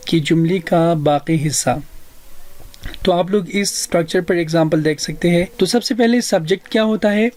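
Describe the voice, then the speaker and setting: Slow-talking South Asian man teaching, higher-pitched voice. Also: darkish tone. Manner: deliberate, explanatory, repeats phrases for learners. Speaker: English teacher. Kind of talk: bilingual language lesson.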